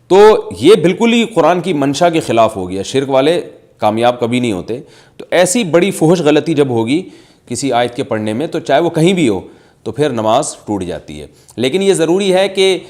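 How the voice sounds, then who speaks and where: A man's voice: mid-range voice, a little mellow. Man explaining religious rulings step by step. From Pakistan. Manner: explains step by step with plain examples. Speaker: Islamic scholar answering questions. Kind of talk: reading and answering viewer questions.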